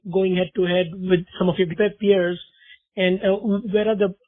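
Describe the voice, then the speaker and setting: A man analyst asking a follow-up question on an earnings call, casual and hesitant, with many uhs. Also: sits high. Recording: tinny phone line.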